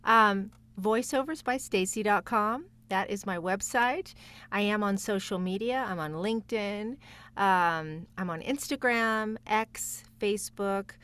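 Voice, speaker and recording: A woman's voice: medium pitch, measured pace, fairly bright tone, clear, resonant tone. A woman talking casually as a voice actor guest on a podcast, encouraging and speaking straight to the listeners. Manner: encouraging, addresses listeners directly. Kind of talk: casual conversational interview.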